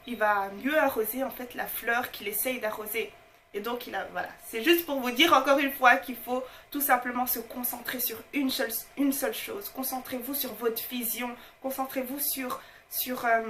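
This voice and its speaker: A woman's voice: on the high side, sharp tone, slight background noise. A woman speaking in casual, motivational talk to her viewers, emphatic and informal, repeating her key phrases. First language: not French. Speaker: motivational online host.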